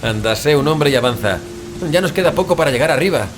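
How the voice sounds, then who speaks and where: A man's voice: on the high side, expressive, quick pace, lightly acted. An actor from playing a sceptical, stubborn male paranormal investigator, casual, scoffing and impatient, in a horror audio drama. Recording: loud music, rain and thunder behind. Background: music, rain, thunder.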